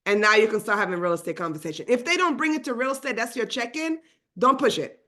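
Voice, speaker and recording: Bright, fast-talking woman trainer. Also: on the high side. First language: Swedish. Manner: fast, energetic, chatty, many asides. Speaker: real estate trainer. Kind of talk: live online training session.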